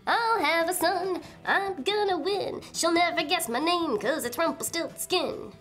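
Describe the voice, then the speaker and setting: Little old storybook elf, woman performer: high voice, slow, taunting bargainer, sly and gloating. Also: big pitch swings, full character voice. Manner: taunting, bargaining, drawn-out delivery. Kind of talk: children's storytelling. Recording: music behind the voice.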